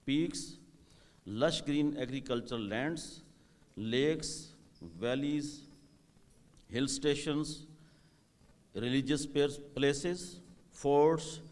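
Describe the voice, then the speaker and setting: Slow-speaking Pakistani man giving a speech. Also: a little high, darkish tone. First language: Urdu. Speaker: tourism coordinator giving a speech. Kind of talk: public presentation. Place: hotel event hall.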